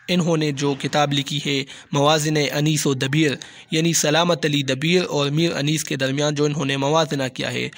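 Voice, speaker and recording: A man with a Pakistani Urdu accent lectures in a measured, explanatory way. His voice sits a little higher than most men's. He pauses often on hesitant fillers as he works through each point. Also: a bit bright. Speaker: teacher.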